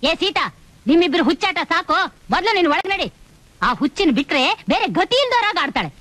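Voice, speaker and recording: A woman's voice: very high voice, lively intonation, quick pace, fairly bright tone, no echo. An actress playing a middle-aged village mother who scolds and talks indignantly.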